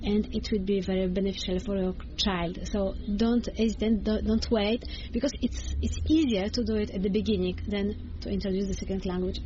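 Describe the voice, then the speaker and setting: A woman's voice: medium pitch, steady tone, fairly quick, hardly any pauses, mellow, a little hiss or hum. A woman whose first language is Polish, speaking English with a Polish accent as a bilingual education coach, explaining earnestly with frequent hesitations. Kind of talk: interview answers. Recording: slightly dull with faint ambience.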